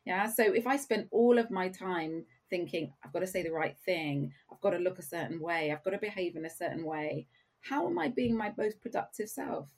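A woman guest on an interview podcast, a career coach, explaining her views in a measured way with rhetorical questions. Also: lowish voice, expressive. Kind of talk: conversational interview.

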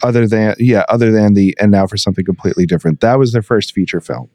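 A man's voice: on the low side, fairly even intonation, quick pace, warm tone, dry recording. A young adult man co-hosting a podcast, chatting casually, laughing a lot and rambling with fillers. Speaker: podcast co-host. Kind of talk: casual chat.

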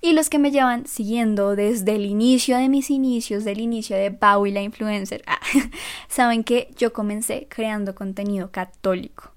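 A young woman from Colombia, a Catholic content creator, telling her own story in a lively, self-mocking way. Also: medium pitch, normal speed. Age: young adult. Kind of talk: personal storytelling vlog.

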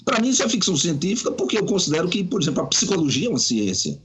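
Man with a lively, swooping voice. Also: sits high, music in the background. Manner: measured, explanatory, lecturing. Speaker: guest writer. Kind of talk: podcast conversation.

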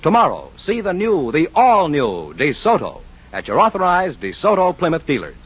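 A man announcing on a radio quiz show, reading the rules and car ads with an eager sales delivery and a slightly husky voice. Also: a little high, wildly swooping pitch, moderate pace. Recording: muffled old radio broadcast.

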